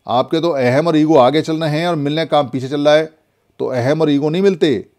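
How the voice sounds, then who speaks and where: A man's voice: fairly high pitch, brisk, darkish tone. Preachy male Buddhist teacher. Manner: preachy, repetitive, rhetorical questions. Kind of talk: spoken lesson.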